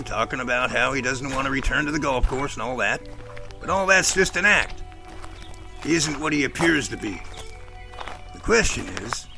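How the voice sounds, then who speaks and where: A man playing an earnest, self-assured Bigfoot investigator in an audio drama, explaining things in measured, speech-like lines. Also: medium pitch, gravelly. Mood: earnest, pondering. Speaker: actor in a Sasquatch audio drama. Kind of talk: amateur audio drama dialogue.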